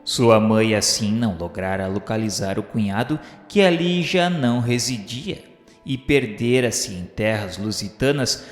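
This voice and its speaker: A man delivers scripted dramatic narration for a radio serial in a solemn, formal, deliberate manner with emphatic enunciation. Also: medium pitch. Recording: echoey hall reverb, music behind.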